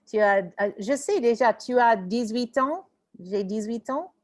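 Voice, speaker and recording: A woman leads an online French class, switching between French and English. She speaks at an unhurried pace and sounds encouraging. Her voice comes through a video call. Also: on the high side. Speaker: French teacher.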